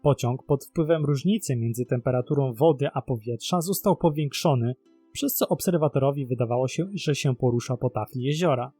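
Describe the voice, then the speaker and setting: A man's voice: medium pitch, fairly quick, dark tone, husky, faint music behind. A man narrating a scripted mystery documentary in a dramatic storytelling manner. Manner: dramatic, posing rhetorical questions. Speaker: narrator and host of a mystery series.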